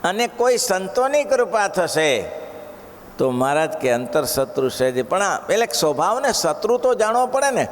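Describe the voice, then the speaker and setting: A man's voice: high voice, big pitch swings, unhurried, big-room sound. A man delivering a sermon, telling a story with acted-out quotes and questions to listeners. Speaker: religious speaker.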